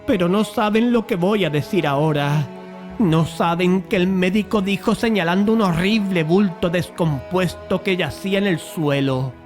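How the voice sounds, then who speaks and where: An actor playing a dying man who narrates his horror tale gravely and haltingly in a dramatized audiobook. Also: high voice, faint music behind, natural voice. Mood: grave, anguished.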